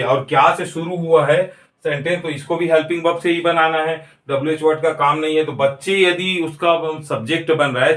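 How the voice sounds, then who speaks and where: Man, English teacher, slightly high voice, slow dictation, throat clearing, roomy echo. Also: fairly bright tone. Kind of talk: classroom grammar lesson. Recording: echoey room, voice from far off.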